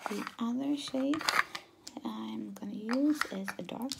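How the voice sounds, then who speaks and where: A woman talks at a very slow pace in a soothing, calm tone. There is noticeable background noise. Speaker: ASMR makeup artist. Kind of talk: asmr whisper roleplay, makeup application. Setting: video to camera. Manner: soft-spoken, slow, gentle whisper; soothing, calm, hushed, with hesitant fillers. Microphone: phone near.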